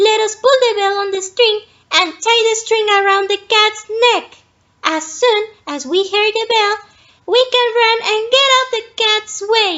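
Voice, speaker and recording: A put-on character voice, squeaky and pitched extremely high. It moves at a fairly slow pace. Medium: read story.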